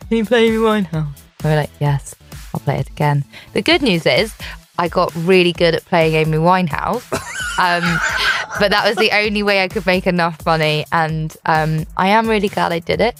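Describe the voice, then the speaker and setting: Low-voiced young woman, candid and chatty. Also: normal speed, faint music behind. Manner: candid, chatty, laughs easily. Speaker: singer guest. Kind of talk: radio interview chat. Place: radio studio.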